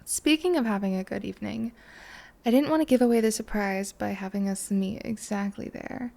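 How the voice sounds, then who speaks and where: Woman acting a smitten, soft-spoken flirty date, lightly gravelly. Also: medium pitch, brisk, natural voice. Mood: tender, excited. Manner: soft, flirty, reassuring, with small chuckles. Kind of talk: romantic audio roleplay, one side of a conversation.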